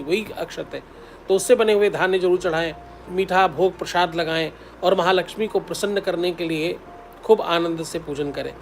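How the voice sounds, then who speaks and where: Higher-voiced man giving devotional instructions. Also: slight background noise. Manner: instructive, repeats key steps, intones mantras. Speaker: spiritual teacher giving astrology remedies. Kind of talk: devotional advice talk.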